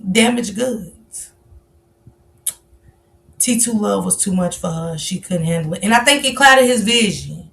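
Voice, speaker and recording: A woman's voice: mid-range voice, lively intonation, a little slow, vocal fry, long pauses, fairly bright tone, slight background noise. Candid woman in her forties, livestreaming. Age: 40s. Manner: candid, confessional, talks straight to viewers and calls them baby. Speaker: livestream host. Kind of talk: casual livestream chat reading viewer comments. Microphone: livestream mic.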